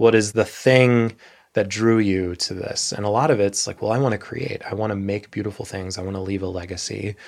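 A man with an American accent and an unremarkable speaking voice, fairly low in pitch, at a moderate pace, in a very clean recording with a silent background. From West Texas (Amarillo, Texas Panhandle). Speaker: musician and photographer. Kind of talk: casual interview.

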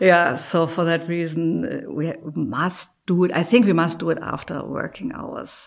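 A woman's fairly low, vocal-fried voice with a German accent, fairly slow and with ordinary pitch variation, on a very clean recording with a silent background. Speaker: marketing manager. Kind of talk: interview. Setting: company office.

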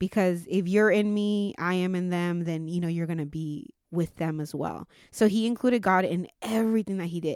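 A woman with an unremarkable speaking voice talks at a medium pitch and a moderate pace, with ordinary pitch variation and hardly any pauses. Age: 20s. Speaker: podcast host, church youth. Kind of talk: casual faith discussion.

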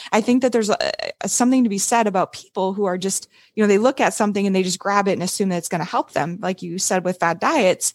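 At a very fast pace, a woman with medium pitch and ordinary pitch variation speaks in a very clean recording with a silent background and a dry, close sound with no echo. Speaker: registered dietitian and performance coach. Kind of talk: interview. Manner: animated.

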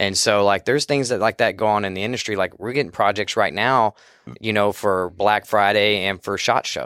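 A man with a Texan accent speaks at a fairly quick pace with a fairly low pitch, fairly even intonation and a bright, sharp tone. The recording is very clean with a silent background, and the sound is dry and close with no echo. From Texas, Spring. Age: 40s. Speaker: manufacturing executive, former Marine. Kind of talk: casual chat. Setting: studio.

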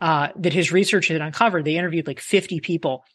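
Against a quiet background, a woman with an American accent talks in an unremarkable speaking voice at a fairly low pitch and with ordinary pitch variation. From US South, North Carolina. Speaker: author and business coach. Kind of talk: interview.

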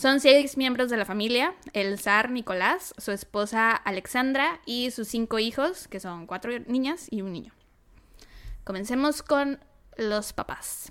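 Her pitch is high and her intonation lively as this woman speaks. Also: fairly slow pace. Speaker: true crime podcast co-host. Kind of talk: casual storytelling chat.

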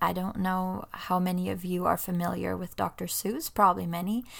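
On a very clean recording with a silent background, a woman with a German accent speaks at a moderate pace and medium pitch. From Germany. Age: 30s. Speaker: podcast host, homeschooling mother. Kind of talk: solo podcast monologue.

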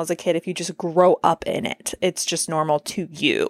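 A woman with a plain, everyday voice, fairly low in pitch, at a moderate pace, in a dry, close sound with no echo. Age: 20s. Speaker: podcast host and psycho-spiritual coach. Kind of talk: solo podcast monologue. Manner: casual, filler-heavy.

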